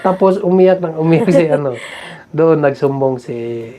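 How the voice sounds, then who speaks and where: A man's voice: a little high, measured pace, music in the background. A man hosting a vlog, telling a story in a chatty way and often asking "no?". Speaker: vlog host. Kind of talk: casual vlog talk to viewers. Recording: noisy outdoor ambience.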